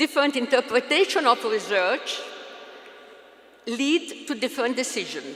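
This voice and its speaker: With an Italian accent, a woman speaks at a moderate pace in a high pitch with lively intonation over noticeable background noise. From Italy. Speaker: professor. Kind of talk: conference keynote lecture. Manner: halting.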